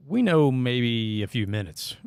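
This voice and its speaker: A man's voice: mid-range voice, very animated, unhurried, vocal fry, a little mellow, clear, resonant tone, no echo. A middle-aged man from Northeast Arkansas, hosting a casual podcast and telling rambling, sarcastic stories. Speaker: podcast host.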